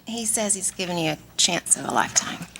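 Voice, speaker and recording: A woman's voice: lowish voice, lively intonation, fairly quick, heavy background noise. An actress playing a spirited, forthright young small-town woman with a teasing manner in a staged radio drama reading. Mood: brisk. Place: stage, live broadcast reading.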